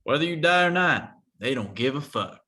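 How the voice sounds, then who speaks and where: A man's voice: fairly high pitch, animated, moderate pace, bright, forceful tone. A man playing a hostile, bitter, foul-mouthed coal miner in a screenplay table read, speaking bluntly and confrontationally. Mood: angry, bitter.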